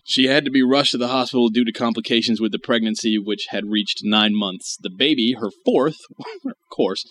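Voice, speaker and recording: A man's voice: medium pitch, moderate pace, a bit bright, slight background noise, rough recording. A man hosting a comedy podcast, reading articles aloud and riffing with crude jokes while chuckling. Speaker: podcast host. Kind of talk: casual comedy podcast chat.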